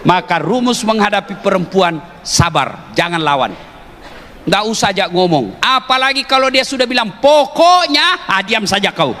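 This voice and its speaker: A man preaching a humorous sermon to an audience, joking and teasing, with bursts of shouting. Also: high-pitched, animated, normal speed. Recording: reverberant hall with faint noise.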